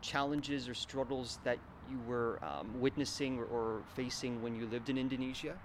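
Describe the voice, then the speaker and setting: A man's voice: mid-range voice, steady tone, moderate pace, noisy background. A man hosting a radio show, interviewing a guest in a casual, encouraging way, with frequent murmured backchannels and stumbling restarts as he phrases questions.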